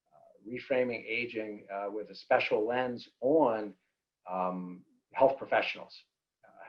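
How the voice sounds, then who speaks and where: A man answering a question in an online town hall, halting and restarting often. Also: fairly low pitch. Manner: halting, many fillers and restarts. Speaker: organization representative answering questions. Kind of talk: webinar answer. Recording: dull lo-fi audio.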